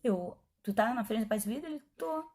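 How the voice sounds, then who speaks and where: A middle-aged woman pastor tells her testimony in a lively, conversational way. Her voice sits a little high, with a husky, breathy edge. She keeps breaking into quoted dialogue and side remarks. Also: a little fast. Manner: animated, chatty, frequent asides and quoted dialogue. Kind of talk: testimony storytelling.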